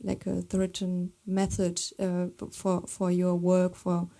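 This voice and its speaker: Flat, warm-voiced woman moderator. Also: fairly low pitch, gravelly. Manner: halting, hesitant phrasing. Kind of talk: live panel conversation.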